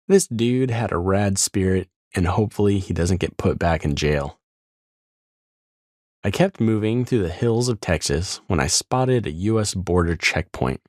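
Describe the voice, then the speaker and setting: Low-pitched American man narrating, lively intonation. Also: dry recording, studio quality. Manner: colloquial, informal wording. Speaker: author reading own audiobook. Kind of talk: scripted first-person travel narration.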